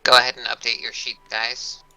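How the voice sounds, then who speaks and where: A man running an online tabletop game as game master, halting and thinking aloud as he goes. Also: mid-range voice, completely flat delivery, creaky, pushed and bright, rough recording.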